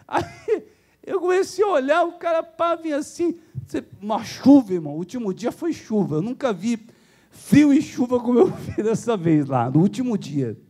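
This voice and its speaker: A man with a Brazilian Portuguese accent preaching a sermon in a church, telling stories with chuckles and voice jumping high when excited. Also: moderate pace. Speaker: pastor.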